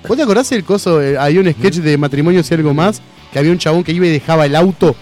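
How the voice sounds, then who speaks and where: Speaking rapid-fire in a slightly high voice, a young Argentine radio host with a Rioplatense accent laughs his way through a funny story. Soft music plays in the studio as he tells it casually, animated and heavy on slang.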